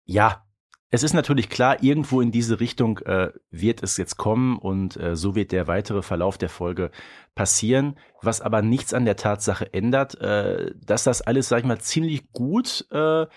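A man's voice: lowish voice, normal speed, a little mellow. Colloquial man in casual podcast chat. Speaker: podcast co-host. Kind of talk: casual unscripted review chat.

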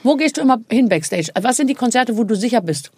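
A middle-aged woman hosting a radio talk show, casual and teasing, firing off quick questions. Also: on the high side, expressive, a little mellow, husky.

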